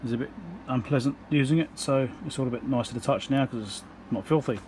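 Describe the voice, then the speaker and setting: A man's voice: mid-range voice, fast, darkish tone, slight background noise, poor audio. A man with a New Zealand accent giving a casual, unscripted, matter-of-fact walkthrough as he works at an indoor bench. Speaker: electronics repairer presenting his work. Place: indoor workbench.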